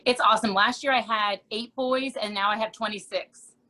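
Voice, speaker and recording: A woman's voice: mid-range voice, fairly even intonation, normal speed, sharp tone, rough recording. A woman in her thirties from New Jersey, a music teacher chatting casually in an interview, with a tired, worn voice and lots of ums.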